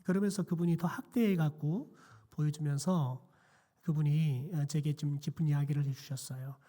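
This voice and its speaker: Hoarse pastor with a dark voice. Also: male voice, fairly high pitch, steady tone, normal speed. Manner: quiet, subdued preaching with frequent "eo" fillers. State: hoarse, voice nearly gone. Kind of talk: sermon. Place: church sanctuary.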